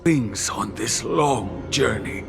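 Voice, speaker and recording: A slow, fervent game voice whose pitch swoops widely, a devout tribal priest. He stammers when shaken. Music sits behind him. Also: animated, vocal fry, exaggerated voice.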